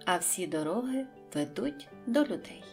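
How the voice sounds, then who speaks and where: A woman narrating a children's audiobook in a soft, even storytelling voice. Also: medium pitch, a little slow, creaky, soft background music.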